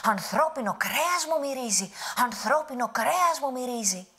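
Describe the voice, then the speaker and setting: A woman voicing a grumpy, angry male giant, with a husky voice. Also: expressive. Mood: bellowing. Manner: loud, shouting, high-pitched.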